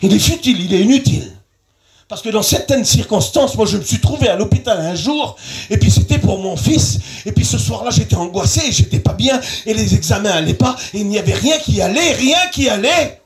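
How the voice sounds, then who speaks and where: High-pitched man preaching fervently. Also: animated, a little fast. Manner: fervent, repetitive, rising into shouts and sing-song. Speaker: pastor. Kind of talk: evangelistic sermon. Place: large tent at an evening revival meeting.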